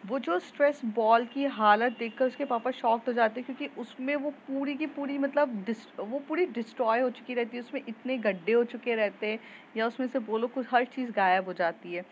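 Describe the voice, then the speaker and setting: A woman's voice: a little high, moderate pace, muffled recording, a little hiss or hum. A woman narrating a love story in a chatty, casual way, with fillers and restarts.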